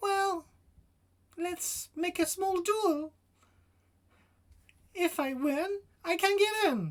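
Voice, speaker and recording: A put-on character voice at an extremely high pitch speaks at a very slow pace with long, frequent pauses. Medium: read story.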